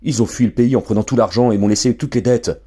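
A man reading aloud, voicing a gloomy, blunt father in a low, sullen tone. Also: fairly even intonation, fast, warm tone, husky, lightly acted. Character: gruff bankrupt father, sullen.

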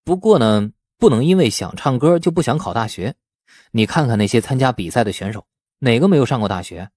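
A man's voice: mid-range voice, expressive, brisk, darkish tone, no echo, clean studio sound, lightly acted. A man voicing an easygoing, righteous young man in an audiobook, speaking conversationally and encouragingly.

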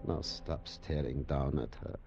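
An actor playing a grave, insistent older doctor, speaking urgently and emphatically in a 1940s radio drama. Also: male voice, a bass voice, steady tone, a little slow, gravelly, warm tone, faint music behind, heavily acted. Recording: muffled, slightly noisy 1940s radio recording.

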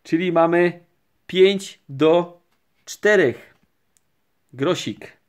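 Male vlogger, slightly high voice, slow and steady, counting through cards at a table. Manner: calm, unhurried, naming each card. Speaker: card collecting vlogger. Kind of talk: casual pack-opening commentary. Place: indoors at a table, camera overhead on hands.

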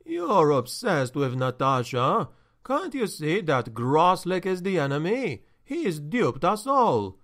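A man's voice: on the high side, wildly swooping pitch, a bit bright, full character voice. A man reading a story aloud, voicing an anxious male steward who talks in a shaky, pleading way. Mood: agitated. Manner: shaky, agitated, slow and pleading.

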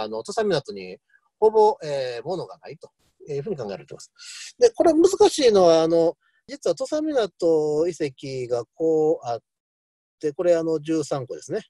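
A man lectures on history in a loose, digressive way, with a light lilt. His voice is mellow and lively in pitch, and he fills pauses with hesitations. The sound is dry and close. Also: no room sound. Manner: rambling, many fillers, lively asides.

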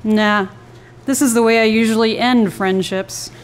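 A woman's voice: on the high side, steady tone, unhurried, slight background noise, lightly acted. A woman playing a cool, mysterious and menacing young beatnik woman in a live noir audio play, speaking tersely and cryptically. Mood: cool, teasing. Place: live on stage in a club.

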